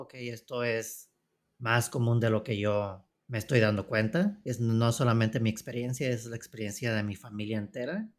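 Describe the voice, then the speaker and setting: Man, 40s, northern Mexican accent, psychotherapist, calm, reflective, interview guest. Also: mid-range voice. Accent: northern Mexican Spanish. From Tijuana, Mexico. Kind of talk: personal testimony in interview.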